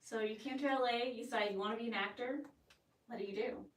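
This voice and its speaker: A woman hosting an interview, asking brisk, friendly questions. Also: a little high, fairly even intonation. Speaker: host. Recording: roomy, distant from the mic.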